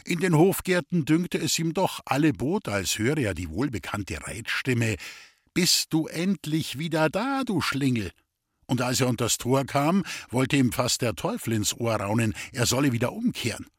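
A man reading an old folk tale aloud as an audiobook, with lively, old-fashioned storytelling. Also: mid-range voice, normal speed, few pauses, breathy edge, no echo, studio quality. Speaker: reader.

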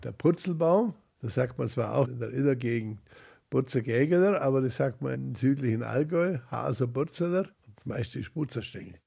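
A man's voice: mid-range voice, animated, brisk, creaky, dark tone, breathy edge. A man who researches dialects, giving a patient interview answer and explaining with examples.

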